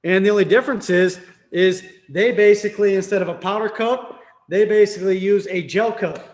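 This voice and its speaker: This sales trainer speaks briskly in a high voice, firing questions at his listeners and ending points with a frequent "right?"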